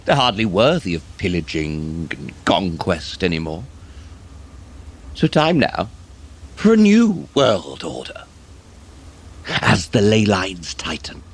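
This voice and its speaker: A gloating dark elf overlord speaks slowly and grandly, with big swoops of pitch. He is mocking and theatrical, over clear background noise in an audio drama. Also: heavily acted. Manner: mocking, grandiose, drawn-out delivery.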